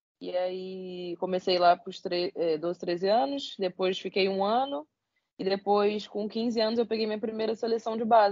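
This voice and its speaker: A woman's normal speaking voice, medium in pitch, with ordinary pitch variation at a moderate pace. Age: 20s. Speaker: professional basketball player. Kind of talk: interview.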